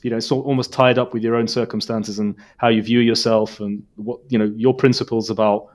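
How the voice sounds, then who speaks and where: A man's voice: lowish voice, little pitch movement, brisk. Reflective man in his forties. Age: 40s. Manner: reflective, thoughtful. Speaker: podcast co-host. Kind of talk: casual chat.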